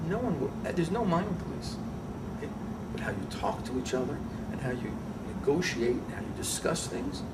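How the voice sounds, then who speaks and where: A middle-aged man speaking as a guest rabbi in casual interview talk, emphatic and animated, often restarting his phrases. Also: on the high side, moderate pace. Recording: distant mic with background noise.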